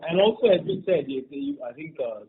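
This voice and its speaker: A man's voice: high voice, big pitch swings, fairly quick, slightly rough. A man answering questions as a company executive on an earnings call, hesitant and repeating his phrases. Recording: dull phone conference line.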